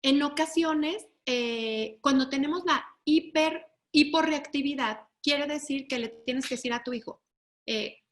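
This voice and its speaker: High-voiced woman lecturing. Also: unhurried. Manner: explanatory, asks the audience "¿sí?" to check understanding; acts out children and parents in raised voices. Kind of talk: webinar lecture.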